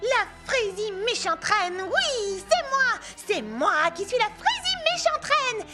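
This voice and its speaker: A woman voicing an eager, expressive young amateur actress in a children's cartoon. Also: very high voice, takes it slowly, faint music behind, full character voice. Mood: rehearsing grandly. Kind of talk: French-dubbed children's cartoon acting.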